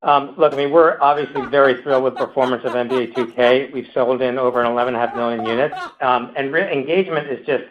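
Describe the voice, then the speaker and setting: A male executive with a medium-pitched voice answers on a conference call. He talks haltingly, and the sound is slightly muffled. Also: steady tone, a little hiss or hum. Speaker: company executive.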